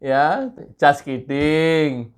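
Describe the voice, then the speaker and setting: A woman's voice: sits low, drawn-out words, clear, resonant tone. A woman closing a comedy skit, casual, apologetic and laughing.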